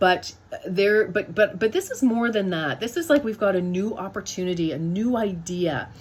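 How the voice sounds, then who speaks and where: Animated and somewhat breathy, a woman speaks at a medium pitch with lively intonation. She moves at a moderate pace. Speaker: tarot reader and life coach. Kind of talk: tarot reading.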